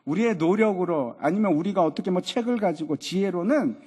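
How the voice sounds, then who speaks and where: A man's voice: sits high, animated, brisk, a little mellow, breathy edge. A man preaching a sermon as pastor, raising his voice for emphasis and acting out voices in the passages he quotes. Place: church sanctuary.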